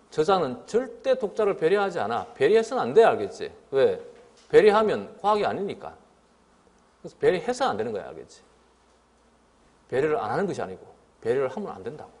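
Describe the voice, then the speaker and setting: A middle-aged man giving a biology lecture to students. He scolds them, keeps asking if they understand, and sometimes mimics them in a higher voice. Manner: lively and scolding, often asks "알겠지?". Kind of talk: classroom lecture.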